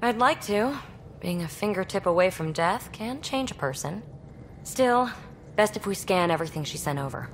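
A woman's voice: medium pitch, animated, moderate pace, slight background noise, natural voice. A woman playing a young, impulsive alien explorer in a video game, wry, casual and earnest. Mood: thoughtful. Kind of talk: video game cinematic acting.

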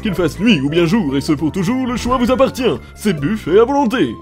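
A man's voice: sits high, big pitch swings, a little fast, soft background music. A man voicing a manic, cheerful ringmaster of a digital circus in a French cartoon fan dub, with theatrical, grandiose delivery. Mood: showy, exuberant.

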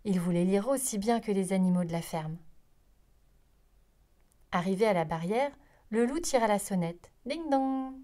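A woman narrates a children's picture book with a mellow, warm tone. Her storytelling is expressive and lively, and her pitch sits in a typical middle range. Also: moderate pace, long pauses. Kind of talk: children's story read-aloud.

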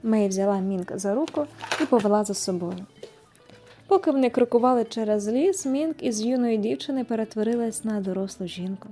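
A woman narrates an audio fairy tale in an expressive, lively reading. Her voice sits fairly high and sounds soft and mellow. Gentle music plays under her reading. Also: fairly quick. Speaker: storyteller.

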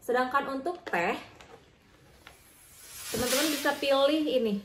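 A woman's voice: high voice, a little slow. A young woman giving a casual, chatty review of diet foods, with frequent fillers and self-corrections, filmed on a camera across a table indoors. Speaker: vlogger reviewing diet products. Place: indoor room. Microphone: fixed camera at table distance. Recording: echoey room, faint noise.

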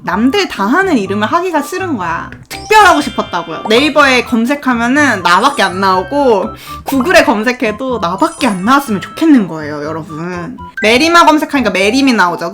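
A young woman chatting on a livestream in a cute anime streamer manner, playful, giggly and animated. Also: on the high side. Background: music.

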